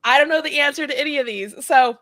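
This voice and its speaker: A woman's voice: high voice, fast, noisy background. A woman chatting casually and responding to her partner as co-host of a livestream. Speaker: co-host of a book read-along livestream. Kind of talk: casual chat, reacting to co-host.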